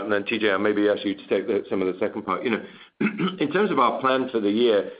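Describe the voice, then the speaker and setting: A male chief executive with a fairly low voice gives off-the-cuff business commentary. He is candid and measured in his optimism. The sound is a somewhat muffled, lo-fi conference call. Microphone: conference call line. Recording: dull, lo-fi conference call audio.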